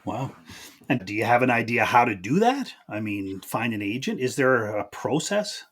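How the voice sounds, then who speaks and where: A man's voice: mid-range voice, sing-song, normal speed, fairly bright tone. A man hosting a podcast, interviewing in a casual, conversational way.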